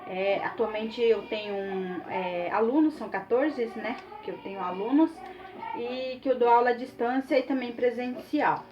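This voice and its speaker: A woman talks through a relaxed online language lesson, filling her sentences with little fillers as she encourages her students. Her voice sits a little high. The sound is dull and lo-fi, with faint music playing underneath. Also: moderate pace. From Mato Grosso do Sul, Brazil. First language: Guarani. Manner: chatty, many fillers, encouraging. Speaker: Guarani language teacher.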